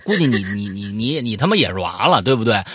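Here a man with a fairly low, slightly rough voice moves at a brisk clip, telling a listener's story as host and adding running commentary. Animated and profane, he jumps into voices for quotes and rambles with lots of fillers and repetition. It's studio quality, with no echo.

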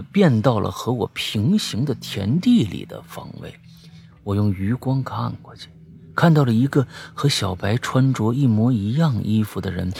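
A man narrating a spooky story, lively, breaking off for offhand asides. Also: fairly low pitch, vocal fry.

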